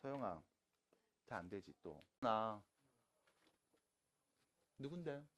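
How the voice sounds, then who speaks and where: Man, math teacher, classroom lecture, lively up-and-down pitch, casual teasing tone. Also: takes it slowly, slight background noise. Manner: casual, teasing, mixes polite and plain speech with students. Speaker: math teacher at a cram school.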